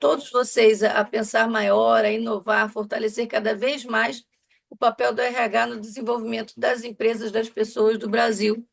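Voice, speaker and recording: With a Rio de Janeiro accent, the speaker talks at a moderate pace with vocal fry. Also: woman. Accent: carioca. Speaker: webinar host. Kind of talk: webinar introduction.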